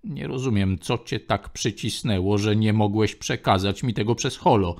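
A tired fleet general, which a man voices in a spoken space story. He speaks with a sarcastic bite. His voice sounds low and gravelly. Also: moderate pace, darkish tone, close to an everyday voice.

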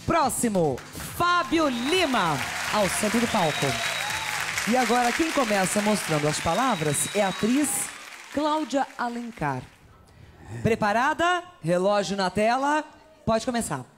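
A woman's voice: a little high, sing-song, a little slow. A woman with a Brazilian accent presenting and announcing as host of a live game show. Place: TV studio with live audience. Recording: TV studio crowd and music behind.

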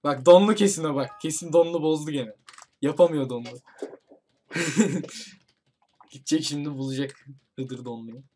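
Man, gaming commentary, slightly high voice, urgent warnings to teammates, faint keyboard clicks. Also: slight background noise. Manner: hurried, shouts warnings to teammates. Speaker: gaming YouTuber. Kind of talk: excited let's-play commentary with friends.

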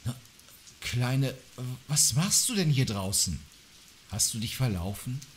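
A man's voice: mid-range voice, sing-song, slow, a little hiss or hum. A young man playing a police trainee, speaking in a friendly, reassuring way. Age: young adult. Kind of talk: radio drama acting.

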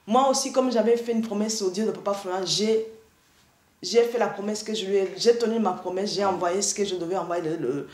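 Middle-aged woman from Rwanda, earnest halting testimony, many restarts, video call, echoey room. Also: medium pitch, darkish tone. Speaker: testifying church member. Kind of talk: spoken testimony. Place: indoor room, seated in armchair.

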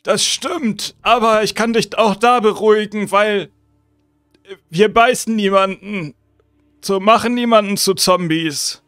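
Taking on the role of a decayed, weary zombie uncle in his tabletop game, a man pleads in a high, hoarse and strained voice, coaxing the listener, repeating the name and breaking off into halting restarts. The tone is fairly bright. The recording is dry and close with no room around it, and soft music plays in the background.

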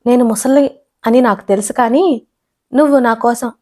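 A woman's voice: on the high side, normal speed, dark tone, close to an everyday voice. A woman voicing a shrewd old grandmother who coaxes her grandson in a storybook audio tale. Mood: coaxing. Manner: coaxing, affectionate.

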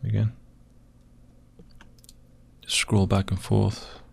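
Slow, croaky-voiced man narrating footage. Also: fairly low pitch, completely flat delivery. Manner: hesitant, pausing often with fillers. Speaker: video host analysing footage. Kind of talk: slow screen-recorded commentary.

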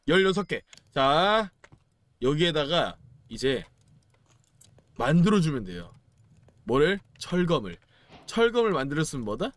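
A young man narrates his gameplay in a casual, joking way. His voice sits high and swoops up and down with lots of animation. He chants little words and shouts excitedly at what happens on screen. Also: slight background noise. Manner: playful, chatty, exclaims and chants while playing. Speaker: gaming YouTuber. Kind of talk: casual game commentary.

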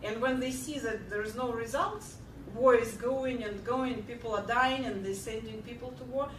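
A woman's voice: on the high side, moderate pace. A woman, giving a keynote lecture from a podium and answering audience questions. She speaks earnestly, with many fillers and restarts. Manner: earnest, many fillers and restarts, animated when telling a joke. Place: large lecture hall, at a podium. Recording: echoey hall, heard from far off, clear background hum.

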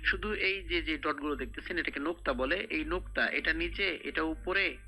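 A man teaching Quran reading in a recorded lesson, patiently explaining each sound step by step and repeating it slowly. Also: a little high, pushed and bright, poor audio.

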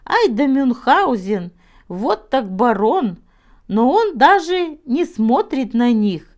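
Female children's storyteller, high-pitched, very lively intonation, deliberate scripted narration. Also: dull audio.

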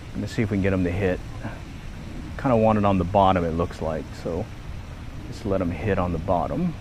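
A man filming himself fly fishing at a park pond, giving casual running commentary with relaxed, muttered asides while he casts, recorded on a head-mounted action camera outdoors. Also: on the low side, slight background noise, low-quality recording. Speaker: angler filming his fishing.

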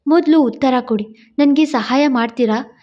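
An earnest young wife, coaxing and pleading, as a woman narrator reads her, in a storybook drama. Her voice is high and slightly dull in tone. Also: moderate pace, darkish tone, lightly acted.

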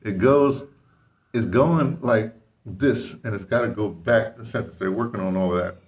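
A man's voice: on the low side, moderate pace, distant mic. An older man giving a casual, rambling health update to his camera in a small bedroom, often restarting his sentences. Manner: rambling, with many restarts and fillers. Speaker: vlogger. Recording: roomy echo, voice from off the mic.

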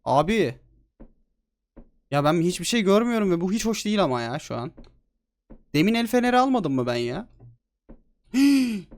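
Brief: slightly high-voiced male streamer, jumpy and profane horror-game commentary. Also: normal speed, pauses often. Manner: excitable, swears a lot, jokey. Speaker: gaming streamer. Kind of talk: let's play commentary.

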